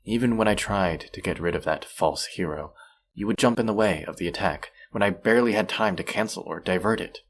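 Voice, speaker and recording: A man playing a manipulative, possessive supervillain in a roleplay audio drama, speaking in a measured, condescending yet coaxing and protective way. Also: low voice. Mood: tender, intense.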